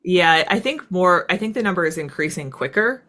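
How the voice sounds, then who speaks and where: Animated and brisk, this American interview guest, once a military fighter pilot, has a lowish, sharp-toned voice. She reflects on her experiences conversationally, often dropping in "like" and "right."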